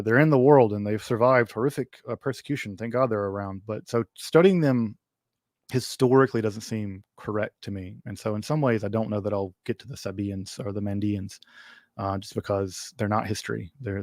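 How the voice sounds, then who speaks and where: Low-voiced man rambling through a livestream Q&A. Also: no echo, clean studio sound. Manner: rambling, full of ums and restarts, wry asides. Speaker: host answering viewer questions. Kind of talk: casual livestream Q&A.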